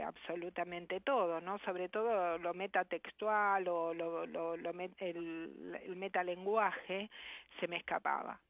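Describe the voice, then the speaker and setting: A woman with an Argentine Spanish accent, a sign language interpreter answering a radio interview in a measured, reflective way over the phone. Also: lowish voice, gravelly, no echo. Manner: measured, reflective, careful diction. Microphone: telephone. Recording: muffled phone line.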